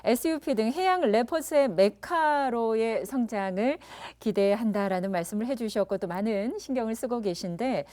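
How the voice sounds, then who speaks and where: A woman's voice: fairly high pitch, normal speed, few pauses, a little mellow. A woman hosting a TV interview program, polished and courteous, prompting her guest and closing the show. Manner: polished, courteous, with frequent affirming backchannels. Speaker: TV talk show host. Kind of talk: polite broadcast interviewing.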